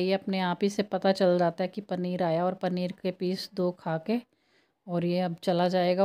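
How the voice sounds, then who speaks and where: A woman's voice: medium pitch, a little mellow. A woman in her thirties, a home cooking vlogger, chatting to viewers as she explains each step. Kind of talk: casual cooking voice-over.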